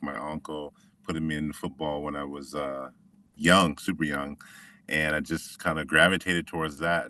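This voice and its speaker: Man, middle-aged, very low voice, bright and forceful tone, reflective guest, distant mic. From Washington State, US. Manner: relaxed, reflective, many restarts. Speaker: guest, former football player. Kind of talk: conversational interview.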